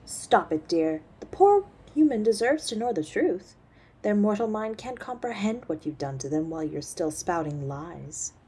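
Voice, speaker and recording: A woman's voice: mid-range voice, sing-song, moderate pace, mellow, breathy edge. A woman playing a cruel, imperious centuries-old succubus mother in a scripted audio roleplay, mocking and menacing. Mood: smug, taunting.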